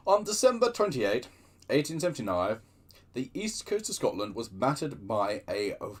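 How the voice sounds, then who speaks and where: On his own channel, a man reads passages from railway books aloud, breaking off for chatty asides. His mid-range voice has a breathy edge, and he tells the material in a lively, digressive way.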